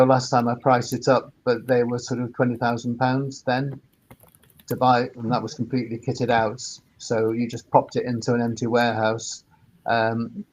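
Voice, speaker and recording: A man's voice: medium pitch, a little hiss or hum, rough recording. A man giving informal expert explanations on a webinar panel, hesitant and often repeating his words. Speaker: sound engineer and workspace operator, panelist.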